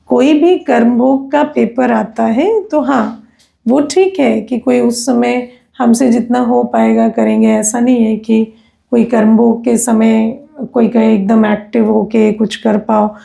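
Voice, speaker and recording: A woman gives a spiritual discourse at an unhurried pace and keeps checking in with her listeners through tag questions. Her voice sits fairly high yet sounds mellow, with a heavy gravelly fry. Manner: conversational, tag questions, personal anecdotes. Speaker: spiritual teacher.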